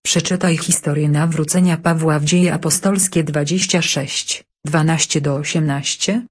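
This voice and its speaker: A woman reads scripture aloud in an even, measured way. Her voice sits low and has a husky edge. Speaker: scripture reader. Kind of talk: scripted Bible reading and study narration.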